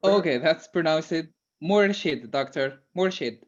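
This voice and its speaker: A co-host with an Algerian accent chats casually on a live lesson, friendly but hesitant and full of fillers. His voice is a little high, expressive, and unhurried, coming through dull lo-fi call audio.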